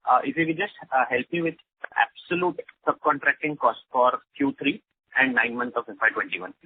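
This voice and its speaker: Husky man on a tinny phone line. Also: medium pitch, moderate pace. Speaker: financial analyst. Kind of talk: asking questions on an earnings call. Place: telephone conference call. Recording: tinny narrowband telephone line.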